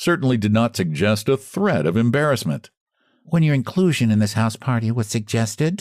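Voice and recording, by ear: Someone reads aloud in a natural voice with lively intonation, and the background is quiet.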